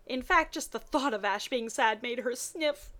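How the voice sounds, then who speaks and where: A woman with a somewhat high voice reads amateur fiction aloud. Her delivery is expressive and dramatic, broken up by sardonic, muttered commentary in a drier tone. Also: moderate pace. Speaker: reader of fan fiction. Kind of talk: mocking dramatic reading of badly written fan fiction with dry asides.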